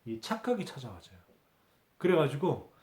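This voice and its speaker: Korean pastor preaching in an echoey church. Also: male voice, on the high side, sing-song, normal speed, darkish tone. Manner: rhetorical questions answered himself, repeats key words. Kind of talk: sermon. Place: church sanctuary.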